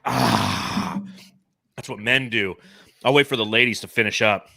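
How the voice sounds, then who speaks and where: A man hosting a sports podcast, hyping up his team with playful banter and drawn-out emphasis. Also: lowish voice, vocal fry, pushed and bright, no echo. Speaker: podcast host.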